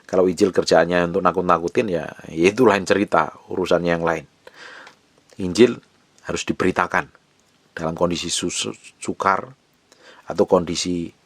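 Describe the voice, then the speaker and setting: A man with a fairly low voice preaches a sermon with energy. He jumps into high, emphatic bursts and then falls back to quiet, measured lines. The sound is dry and close. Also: no room sound. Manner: emphatic, animated preaching with sudden high bursts and soft drops. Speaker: pastor.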